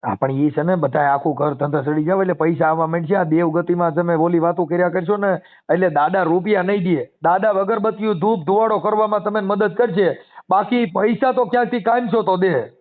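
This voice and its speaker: Male phone counsellor, Kathiyawadi accent: high, fast, reassuring and insistent, on a narrowband call recording. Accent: Kathiyawadi Gujarati. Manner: reassuring, advising, talks over caller. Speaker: spiritual helper taking calls for his YouTube channel.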